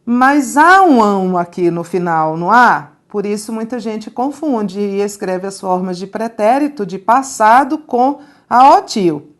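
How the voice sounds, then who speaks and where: Slow, didactic woman teaching grammar. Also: mid-range voice, animated. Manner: didactic, asks and answers her own questions. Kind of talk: recorded grammar lesson.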